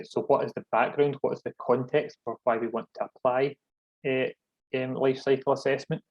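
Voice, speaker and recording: A man with a thick, broad Scottish accent giving a deliberate, explanatory webinar presentation. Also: mid-range voice. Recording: dull, lo-fi online call audio.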